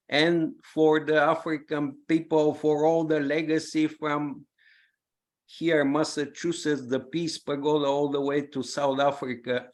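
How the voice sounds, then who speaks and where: An older man with a Bulgarian accent making a halting, emphatic comment from the audience at a public talk. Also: fairly high pitch. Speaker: audience member, peace activist.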